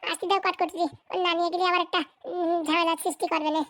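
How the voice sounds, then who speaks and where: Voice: very high-pitched, little pitch movement, fast talker, fairly bright tone. A performer voicing a scheming, bossy village madam in a comedy cartoon, with scolding, boastful colloquial chatter. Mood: dismissive, scheming. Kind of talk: exaggerated cartoon comedy dialogue.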